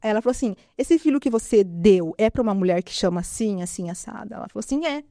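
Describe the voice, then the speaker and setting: A Brazilian woman recounts her life story as an interview guest, animated, often slipping into the voices of the people in it. She talks quickly in a middle pitch. The sound is close and dry, with no room around it. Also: creaky, no echo. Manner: animated storytelling, quotes others' speech. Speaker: guest sharing testimony. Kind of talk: emotional personal testimony.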